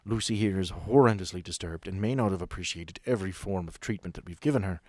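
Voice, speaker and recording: A man's voice: deep voice, quick pace, darkish tone, no echo. A man playing a stern, curt female head nurse of a sanatorium in a tabletop horror game, speaking with clipped authority. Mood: curt, haughty.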